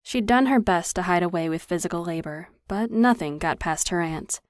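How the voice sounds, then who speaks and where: An audiobook narrator, a woman with a lowish voice, reads a novel in scripted narration at a measured, even storytelling pace. She's recorded close to the mic, completely dry with no room sound.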